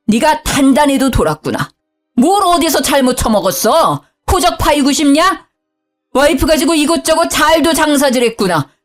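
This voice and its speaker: A woman voicing an older father-in-law who scolds bluntly and coaxes gently, over faint background music. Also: fairly low pitch, lightly acted. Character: stern older father-in-law, gruff then pleading.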